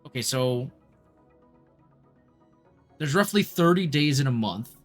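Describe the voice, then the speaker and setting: A woman's voice: rumbling low, lively intonation, slow. A woman live-streaming a game, reacting and chatting casually in a slangy, exclamatory way. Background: game music.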